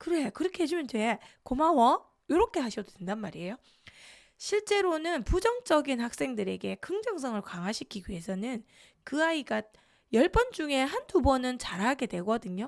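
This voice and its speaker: An animated tone with very wide pitch swings rings out in a very clean recording with a silent background. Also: woman, high pitch for a woman. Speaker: teacher trainer. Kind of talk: lecture. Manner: fast.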